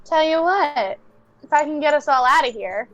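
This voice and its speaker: A woman's voice: sits high, lively intonation, moderate pace, a bit bright, no room sound, highs cut off. A woman playing a cool, teasing magical creature in a tabletop game, with a knowing, laid-back manner. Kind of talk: improvised tabletop role-play. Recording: clear background noise, clicks.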